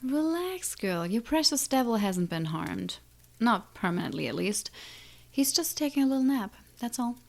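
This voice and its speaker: A woman's voice: a little high, very animated, moderate pace, creaky, a little mellow. A woman playing an ancient, menacing siren in an audio drama, taunting and condescending with a theatrical drawl. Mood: mocking. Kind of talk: audio drama villain acting.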